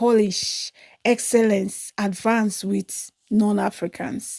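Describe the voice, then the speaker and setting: A woman's dark, mellow tone, fairly high in pitch, with ordinary pitch variation. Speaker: video commentator. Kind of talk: opinion monologue.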